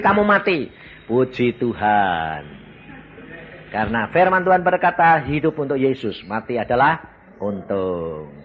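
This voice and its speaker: A man preaches an animated sermon, his pitch swinging widely as he acts out voices. He breaks into sudden loud outbursts. The recording is dull and lo-fi with faint background noise.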